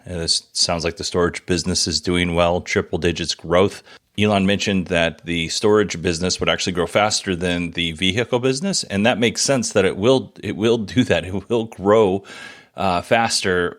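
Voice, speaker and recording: A man's voice: low voice, fairly even intonation, moderate pace, a bit bright. A man hosting a podcast, giving news recap commentary. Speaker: podcast host.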